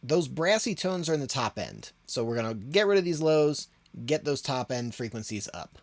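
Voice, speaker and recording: A man's voice: medium pitch, big pitch swings, normal speed. A man hosting an audio production tutorial in an informal, conversational way. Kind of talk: casual spoken tutorial.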